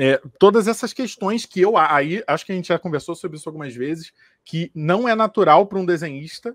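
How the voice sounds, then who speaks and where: Against a quiet background, a voice with a Rio de Janeiro accent makes very wide pitch swings, the sound dry with no echo. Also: man. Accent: Carioca Brazilian Portuguese. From Rio de Janeiro, Brazil. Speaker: comic book editor. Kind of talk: casual chat. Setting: livestream. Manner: animated. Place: home room. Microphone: studio mic.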